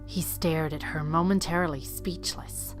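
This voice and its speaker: A woman's voice: deep voice, steady tone, measured pace. A woman reading scripted third-person story narration as the narrator of an audio drama. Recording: faint music behind. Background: faint music.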